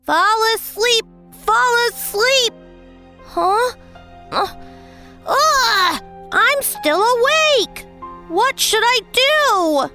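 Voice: extremely high pitch, big pitch swings, music in the background, exaggerated voice. A fretful sleepless little prince. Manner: slow, singsong counting and plaintive sighs. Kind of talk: storybook character voice.

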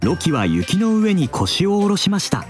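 Lively man narrating a children's story. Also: sits high, faint music behind. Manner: expressive, drawn-out dramatic telling.

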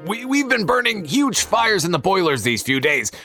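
A man's voice: high voice, big pitch swings, normal speed, bright, forceful tone, soft background music, voice pushed up, full character voice. A man doing a worried ship crewman. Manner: urgent, worried. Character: anxious male ship crewman. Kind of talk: storybook character voice.

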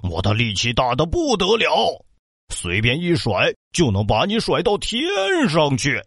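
A man's voice: fairly high pitch, big pitch swings, a little slow, creaky, a bit bright, husky, no echo, studio quality, heavily acted. A man voicing a big, bragging male black bear in a children's story, blustering and proud of his strength. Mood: boastful.

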